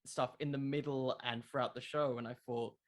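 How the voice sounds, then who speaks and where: A man's voice: mid-range voice, flat delivery, moderate pace. A man answering questions in a casual interview, thinking aloud and repeating words as he goes. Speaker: podcast creator, interview guest. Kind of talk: casual interview chat about wrestling fiction.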